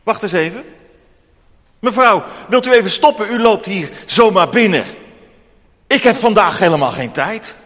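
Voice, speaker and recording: A man's voice: high voice, lively intonation, moderate pace, pauses often, a bit bright, pitched above the performer's own voice. A man doing a brusque corrupt judge. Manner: brusque, dismissive. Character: arrogant corrupt impatient male judge. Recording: long hall reverb.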